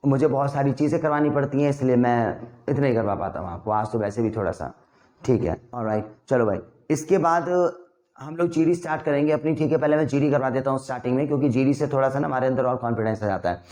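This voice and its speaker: A young man teaching spoken English in a classroom, firing off practice sentences at a quick clip for the students to translate. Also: medium pitch, a little mellow. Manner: brisk, rapid-fire drilling sentences. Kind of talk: classroom drill lesson. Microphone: recorded in a classroom.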